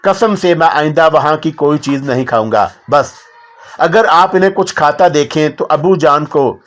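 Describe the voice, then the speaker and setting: A man's voice: a little high, moderate pace, fairly bright tone, natural voice. A man reading a teasing young daughter. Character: playful young daughter of the house.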